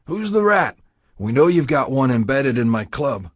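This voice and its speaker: A man voicing an older male biker club president who threatens and commands, husky and menacing. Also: mid-range voice, very animated, moderate pace, no room sound, pitched above the performer's own voice. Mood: cold pressuring.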